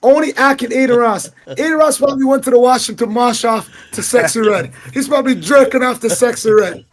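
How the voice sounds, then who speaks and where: Brash hoarse guy, very high voice, slang-heavy stream banter. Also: a little fast. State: hoarse, lost his voice. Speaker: guest rapper on a live stream. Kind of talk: rowdy live stream banter.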